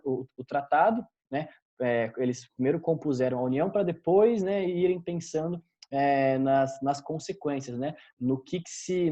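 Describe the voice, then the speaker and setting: A man's voice: on the high side, dark tone. A man with a Brazilian accent teaching a recorded class, talking conversationally, often correcting himself and checking in with his students. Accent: Brazilian Portuguese. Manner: conversational, many fillers and self-corrections, addresses students directly.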